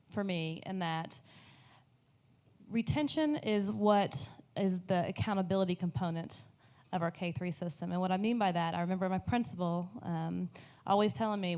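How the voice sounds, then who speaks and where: A woman's voice: on the low side, darkish tone. A woman on a panel, explaining in an earnest way with frequent fillers and restarts. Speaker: panelist on education policy. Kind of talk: panel discussion.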